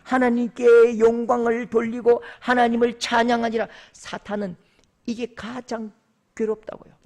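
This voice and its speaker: Pastor, male, very high-pitched, emphatic sermon delivery with dramatic swings. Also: monotone, normal speed, darkish tone. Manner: emphatic preaching, acts out voices and calls out scripture.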